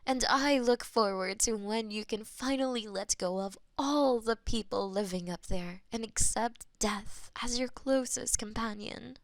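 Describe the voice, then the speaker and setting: Woman acting a possessive goddess of death, tender, brooding, breathy murmurs, slightly high pitch, very dry close sound, romantic audio drama. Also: no echo. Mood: intimate, longing. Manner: slow, intimate, breathy murmurs slipping into whispers. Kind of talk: scripted romantic audio roleplay.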